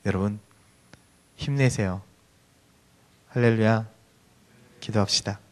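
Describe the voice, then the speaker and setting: A man preaching a sermon as a youth pastor, earnest and pleading, often dropping to a soft hush, speaking in a church hall. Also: lowish voice, fairly even intonation, slow pace.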